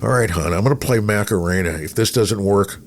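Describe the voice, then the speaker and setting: This fairly low, fairly quick voice belongs to a middle-aged American radio host and broadcaster. His talk is casual and anecdotal, rambling as he tells stories and voices what people said.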